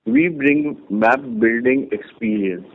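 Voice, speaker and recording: A man, a company executive, explains his company's plans to analysts on an earnings call in a measured way with restarts. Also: medium pitch, huge pitch swings, creaky, slight background noise. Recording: tinny phone line.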